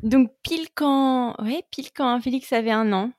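A woman's voice: fairly high pitch, normal speed, darkish tone, no echo, studio quality. A woman hosting an interview podcast, chatting and backchanneling with frequent short agreements. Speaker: podcast host. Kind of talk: interview chat.

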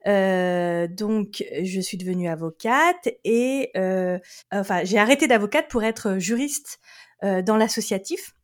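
A French woman, a lawyer, speaks in a mid-range, unhurried voice as an interview guest. The chat is casual, and she laughs often and keeps restarting her sentences.

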